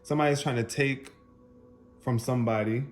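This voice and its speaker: A man giving an animated, spontaneous tarot reading, talking straight to his viewers and laughing often. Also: medium pitch, moderate pace. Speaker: tarot reader.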